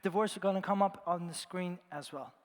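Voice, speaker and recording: A man from Iran, preaching a sermon in an earnest storytelling way, his phrases often trailing off softly at the ends. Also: sits high, fairly even intonation, brisk. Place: large church. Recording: long church reverb.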